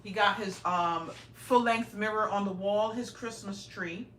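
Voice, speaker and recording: A woman in her forties who grew up in Brooklyn, New York, hosts a casual livestream from her home, chatting with viewers as she carries her phone through its small rooms. Her voice is medium-pitched and fairly bright, and she speaks a little slowly. The home audio is roomy with faint noise.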